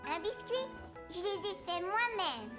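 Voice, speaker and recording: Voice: very high voice, sing-song, measured pace, music in the background, full character voice. An actor voicing a sweet, curious four-year-old boy in an eager, childlike way for a children's cartoon. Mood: proud.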